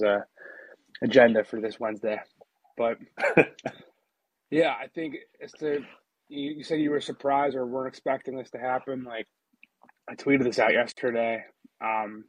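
A man with a slightly husky, mid-pitched voice hosts a casual sports podcast. He talks in a chatty way and often restarts his sentences. The sound is dry and close to the mic. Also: dry recording, poor audio. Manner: chatty, many restarts, eating a sandwich while talking. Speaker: podcast host and NBA reporter.

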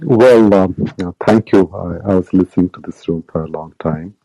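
A man from the Indian subcontinent with a South Asian accent, speaking as an academic in a live audio room and explaining haltingly, with repeated and rephrased phrases. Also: low voice, creaky, warm tone, dry recording, poor audio. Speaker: university humanities academic, guest speaker. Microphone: remote app call.

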